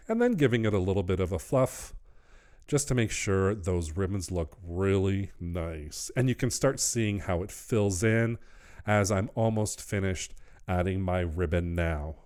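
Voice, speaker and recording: This middle-aged man hosts a wreath-making channel, voicing over a craft tutorial and walking through each step in an upbeat, instructive way. His pitch is fairly low, his pace moderate, and his tone clean and slightly mellow.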